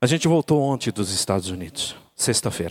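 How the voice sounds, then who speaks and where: Male speaker at a moderate pace, dry and close with no echo, very clean recording with a silent background. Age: 50s. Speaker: pastor. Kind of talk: sermon.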